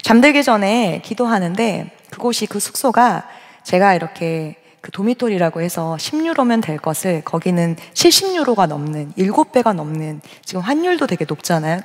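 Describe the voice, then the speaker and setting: A woman pastor preaching a sermon built around personal testimony, chatting with the congregation and asking them questions directly. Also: mid-range voice. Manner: acts out her own side of dialogues in quotes. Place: large church sanctuary. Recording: long reverb of a large church hall.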